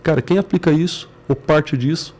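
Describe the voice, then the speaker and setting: With a Brazilian accent, a male CEO of a business management company talks as an interview guest, laying out his points earnestly in short phrases piled one on another. His pitch is on the higher side, his tone a little mellow, and his pace moderate.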